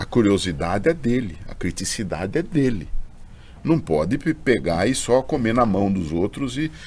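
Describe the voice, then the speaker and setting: Creaky vocal fry runs through the voice. The pitch rises and falls across a very broad range. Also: man, fairly low pitch for a man, moderate pace. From São Paulo state, Brazil (Piracicaba). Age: 60s. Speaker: professor. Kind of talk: podcast interview.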